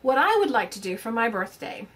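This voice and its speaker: A woman's voice: on the high side, very animated, a little fast, a bit bright. A woman, chatting casually to her craft channel's viewers in a rambling way, full of fillers and restarts. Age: 50s. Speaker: crafting vlogger. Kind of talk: casual chat to camera.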